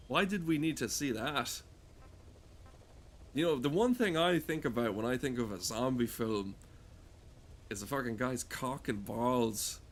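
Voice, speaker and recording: A man's voice: mid-range voice, a bit bright, slight background noise. A man giving crude, comedic, rambling commentary while playing a game, swearing often. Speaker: gamer talking over gameplay.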